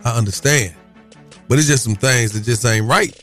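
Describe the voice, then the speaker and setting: A man's voice: mid-range voice, normal speed, fairly bright tone, soft background music. A man hosting a morning radio show in casual, colloquial talk. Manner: colloquial, conversational.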